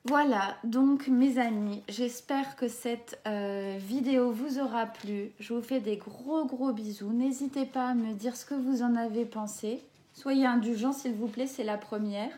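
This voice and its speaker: French woman, oracle reader, mellow and a bit high, gentle and halting. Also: fairly even intonation. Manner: gentle, hesitant, many fillers. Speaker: tarot and oracle card reader. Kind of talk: reading oracle card texts and commenting.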